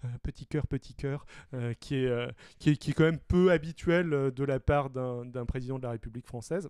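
Over a quiet background, a man speaks at medium pitch and a moderate pace. His intonation is fairly even, and the sound is dry with no echo. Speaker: political commentary co-host. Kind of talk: casual explanatory chat. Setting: recorded video, offline. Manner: hesitant, many fillers. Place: home room. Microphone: handheld.

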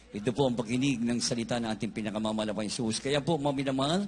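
The man talks at a very fast pace. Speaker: church announcer and Bible reader. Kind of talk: formal announcement and scripture reading. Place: church. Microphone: handheld.

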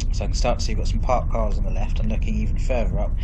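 Loud background noise nearly surrounds the voice of a man. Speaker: driving instructor. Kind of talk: driving commentary. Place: car.

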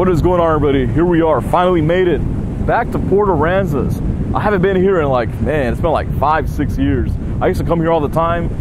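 A man at a very fast pace, ordinary pitch variation, dry sound with no echo, amid loud background noise. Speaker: fishing vlogger. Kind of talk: casual vlog chat. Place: beach. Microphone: lapel.

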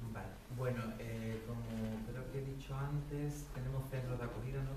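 Moderate pacing from a male speaker, noticeable background noise and audible room echo around him. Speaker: refugee organization coordinator. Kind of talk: interview answers. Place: classroom.

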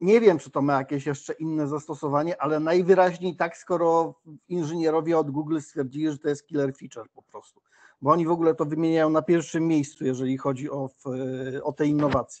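This man talks at a very fast pace. The background is quiet. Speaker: tech news host. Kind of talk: casual commentary. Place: home room. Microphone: webcam.

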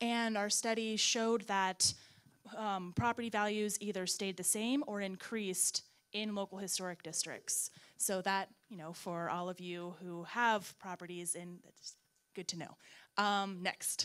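Against a quiet background, a woman talks at a fairly slow pace with fairly even intonation and big swings in loudness. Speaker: nonprofit preservation specialist; presenter. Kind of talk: public presentation. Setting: town hall meeting with audience. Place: hall. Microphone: handheld.

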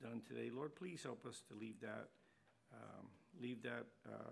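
A man is speaking. His pace is fairly slow. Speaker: pastor or church leader. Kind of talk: welcome remarks and public prayer. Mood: warm, reverent. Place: church. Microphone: podium.

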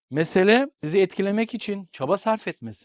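A man talks at a fairly quick pace in a dry, close sound with no echo and a quiet background. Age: 50s. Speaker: psychologist. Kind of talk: advice monologue to camera. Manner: emphatic, forceful; rhetorical, repetitive.

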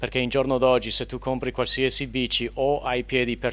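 Faint music plays in the background as a man with an English accent speaks at a fairly quick pace. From US Northeast, Poughkeepsie, New York; New York. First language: English (speaking Italian). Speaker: bicycle shop owner and designer. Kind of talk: interview. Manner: halting, many restarts. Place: workshop. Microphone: handheld.

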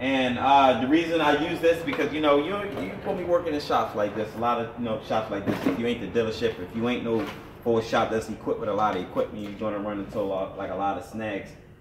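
With noticeable background noise, a man talks at a very fast pace. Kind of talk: tutorial. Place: workshop.

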